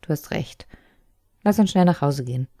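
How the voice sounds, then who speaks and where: A woman's voice: deep voice, lively intonation, normal speed, mellow, dry recording, studio quality. A woman voicing a nervous eight-year-old boy in a storybook reading, hesitant and trying to sound clever.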